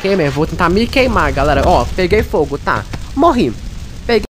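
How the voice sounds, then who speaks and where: Brazilian woman streaming a horror game, lowish voice, chatty and jumpy, keeps talking to her viewers. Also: very animated, normal speed, music in the background. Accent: Brazilian Portuguese. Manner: chatty and jumpy, talks to the audience and game characters. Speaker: gaming streamer. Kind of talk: casual gameplay commentary.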